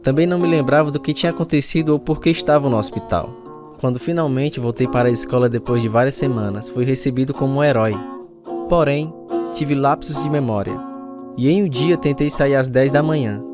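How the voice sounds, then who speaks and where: Male radio-drama narrator actor, mid-pitched, recounting a mischievous schoolboy past over prominent music. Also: fairly quick, lightly acted. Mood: reflective. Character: man recalling his mischievous, sporty schoolboy youth.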